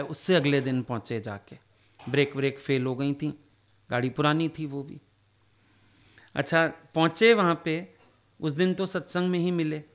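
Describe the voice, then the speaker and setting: A man's voice: on the high side, a bit bright. A man giving a devotional satsang talk, telling personal stories in a conversational way. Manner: conversational storytelling, acting out quoted dialogue. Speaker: satsang speaker.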